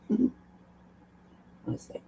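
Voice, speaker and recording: A woman host with a low, hoarse voice, chatting casually at a desk mic, rambling, laughing often and swearing. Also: extremely slow, mellow, a little hiss or hum. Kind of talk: casual livestream talk.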